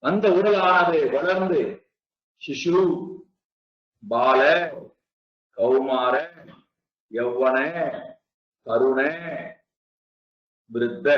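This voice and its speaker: A man giving a spiritual discourse, speaking slowly and deliberately and repeating his rhetorical questions. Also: fairly high pitch. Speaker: spiritual teacher. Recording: echoey, distant, dull lo-fi sound.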